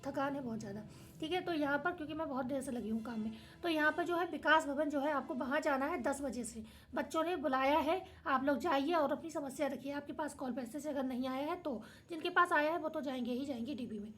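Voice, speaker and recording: A young woman with a tired, hoarse voice, hosting an education channel and going through an official notice point by point in plain words. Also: high voice, fairly quick, fairly bright tone. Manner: reads notice then explains in plain words. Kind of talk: explaining official notice to viewers.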